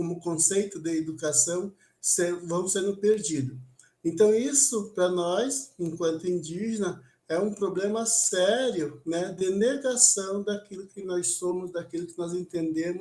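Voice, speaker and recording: This man has a high-pitched voice with ordinary pitch variation and speaks at a fairly slow pace. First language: Kaingang (speaking Portuguese). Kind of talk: interview. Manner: halting, with repetitions and fillers.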